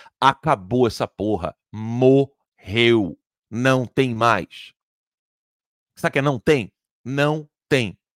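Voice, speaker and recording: Speaking very slowly with long, frequent pauses, a man with a Brazilian accent uses a medium pitch and ordinary pitch variation, recorded dry and close with no echo, very clean, over a silent background. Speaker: political commentator host. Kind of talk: angry rant. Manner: indignant, heated, emphatic.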